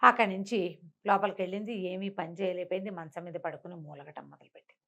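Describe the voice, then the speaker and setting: A woman's voice: on the low side, steady tone, quick pace, creaky, a bit bright. A woman storyteller telling a moral tale conversationally, repeating phrases and asking rhetorical questions.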